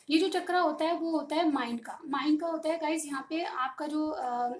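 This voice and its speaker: A woman giving a casual tarot reading in a chatty, reassuring way, often pausing with fillers and mixing English terms into her talk. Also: sits high, slight background noise. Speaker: tarot reader.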